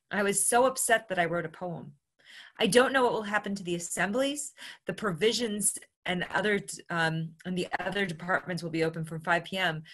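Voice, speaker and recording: A woman's voice: on the low side, fairly bright tone. A woman in her thirties reading a diary aloud into a webcam at home. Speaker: diary reader. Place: dim room at home. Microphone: computer webcam.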